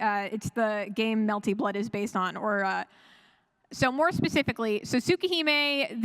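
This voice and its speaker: Female panelist, slightly high voice, casual and enthusiastic fan delivery, rambles and corrects herself. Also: a bit bright. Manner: chatty and rambling, with frequent self-corrections and chuckles. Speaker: convention panelist. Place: live panel room at a fan convention.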